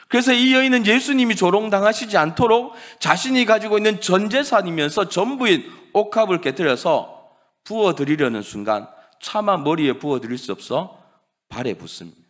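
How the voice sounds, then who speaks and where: A man's voice: sits high, animated, moderate pace. Dramatic male pastor preaching. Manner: dramatic preaching that swings from loud to hushed. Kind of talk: sermon.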